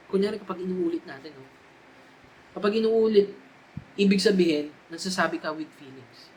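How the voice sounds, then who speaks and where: A man's voice: high-pitched, fairly bright tone, a little hiss or hum, low-quality recording. A young Filipino man preaching a youth sermon in a mix of Tagalog and English, with emphatic repetition. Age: young adult. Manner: Taglish preaching, rising to emphatic repeated cries. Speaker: youth speaker.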